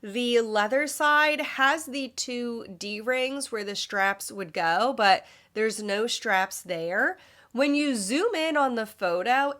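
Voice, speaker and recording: Female vlog host, somewhat high voice, congested and nasal from a cold, scripted and informative. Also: a bit bright. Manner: polished, informative, friendly. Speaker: luxury fashion vlogger.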